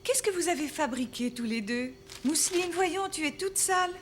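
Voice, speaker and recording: A gentle, attentive mum from a children's cartoon. She speaks in a high voice with loud music behind her. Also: lively intonation, normal speed. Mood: mild dismay. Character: gentle, attentive young mother. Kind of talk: French children's cartoon dialogue.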